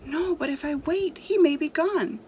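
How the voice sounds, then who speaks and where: Woman as earnest young boy, high voice, curious, eager, storybook read-aloud, background noise. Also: normal speed, natural voice, poor audio. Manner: excited, questioning. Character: eager, earnest ten-year-old boy, wide-eyed and curious.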